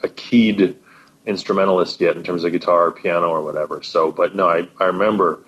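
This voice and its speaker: A man with a low, husky voice talks casually as a guest. He stops and restarts often while he hunts for his words. His voice comes through a dull, lo-fi line. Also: fairly even intonation, fairly bright tone. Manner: halting, restarts, searches for words. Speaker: guest podcaster and musician. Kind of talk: casual chat.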